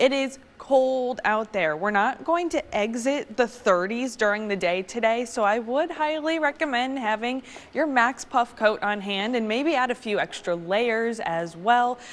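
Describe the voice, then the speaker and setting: Over noticeable background noise, a woman with a high pitch and lively intonation talks at a fairly slow pace with hardly any pauses. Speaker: meteorologist. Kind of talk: TV weather forecast.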